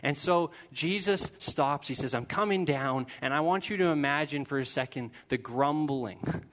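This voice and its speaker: A man preaching a sermon, telling a story with lively asides. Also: a little high, normal speed. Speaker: pastor.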